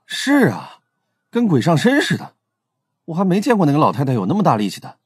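An actor playing a brash young police detective in an audio drama, blunt and commanding. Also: male voice, on the high side, wildly swooping pitch, a little fast, slightly rough, dry recording, clean studio sound, full character voice. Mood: puzzled.

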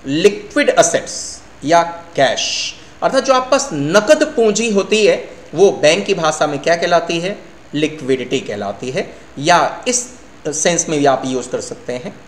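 A man's voice: fairly high pitch, expressive, unhurried. A middle-aged male English teacher explaining word meanings to his students in Hindi, asking and answering his own questions. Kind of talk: vocabulary lesson. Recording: echoey room, faint hum.

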